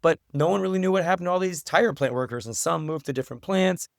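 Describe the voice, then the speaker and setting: A man's voice: a little high, quick pace, gravelly, no echo, studio quality. An American man talking as an interview guest, telling stories conversationally in an earnest, explanatory way with emphatic repetition. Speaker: podcast guest, documentary director.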